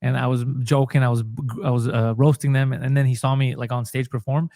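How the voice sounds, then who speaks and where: In a dry, studio-quality recording, a man from Montreal, Canada, a comedian and podcaster, narrates his story in a casual interview while acting out quoted dialogue. His mid-range voice is warm and brisk, with little pitch movement.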